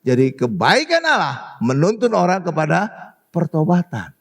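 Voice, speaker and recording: A man preaching with a high voice that leaps all over the place. He exclaims and keeps turning to the congregation for agreement. His sermon delivery is lively throughout. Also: normal speed. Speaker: pastor.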